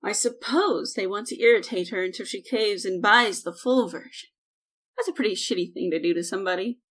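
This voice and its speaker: A woman's voice: mid-range voice, brisk, fairly bright tone, close to an everyday voice. A woman playing a sardonic, blunt, easily irritated ordinary human in an audio drama.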